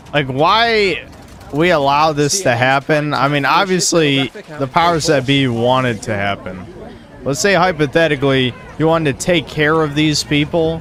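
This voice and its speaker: There is noticeable background noise behind the speech. The pace is moderate, and the pitch varies in an ordinary way. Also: man, fairly high pitch for a man. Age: 20s. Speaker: gaming streamer. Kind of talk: casual live stream chat.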